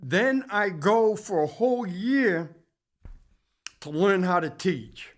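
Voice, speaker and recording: A man hosting a local community TV show, giving a lecture-style commentary with a halting delivery that restarts and corrects itself. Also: high voice, expressive.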